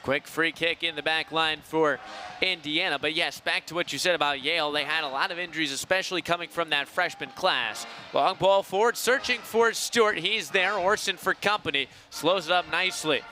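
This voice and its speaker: A man's voice: on the high side, normal speed, sharp tone, soft background music. A man calling live soccer play-by-play as the announcer.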